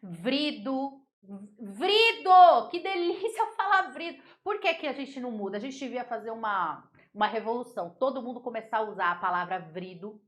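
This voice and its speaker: A woman teaching a Portuguese grammar lesson, playful and laughing at common mispronunciations, repeating words slowly to drill them. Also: fairly high pitch, expressive, a bit bright.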